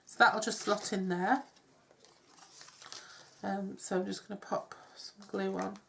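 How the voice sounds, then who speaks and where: A middle-aged woman with a cold, chatting her way through a craft demonstration with soft, self-deprecating asides. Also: medium pitch, little pitch movement, unhurried, creaky, slight background noise. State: congested with a cold. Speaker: craft tutorial host. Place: home craft table. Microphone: overhead camera on hands, speaker off-screen.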